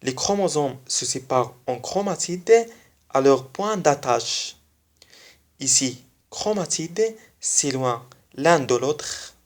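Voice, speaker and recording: A speaker whose first language is not French, giving a biology lesson online and repeating key phrases slowly for emphasis. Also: medium pitch, expressive. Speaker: biology video teacher.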